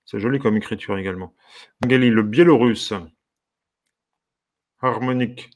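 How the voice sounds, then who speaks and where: A man, a harmonica teacher, giving casual commentary as he browses, curious and amused, musing aloud with soft exclamations. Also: mid-range voice, normal speed.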